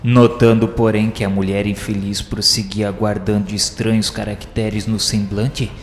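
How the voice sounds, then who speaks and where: A man's voice: on the low side, little pitch movement, unhurried, background noise, close to an everyday voice. A man playing an earnest spirit pupil who narrates a radio drama in a formal, solemn, literary manner. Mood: solemn, awed. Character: earnest male pupil recounting journey through spirit underworld. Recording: echoey, long reverb with music behind.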